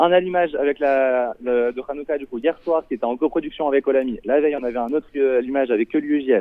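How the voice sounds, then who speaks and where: A man talks at a fairly quick pace in a normal speaking voice, with a medium pitch and ordinary pitch variation. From eastern France, Nancy. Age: 20s. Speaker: medical student, student association president. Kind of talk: radio interview.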